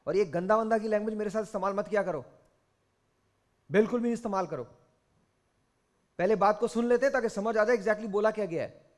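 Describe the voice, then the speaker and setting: A man with a Pakistani accent hosting a game show, lecturing contestants sternly and slipping into English phrases. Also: high-pitched.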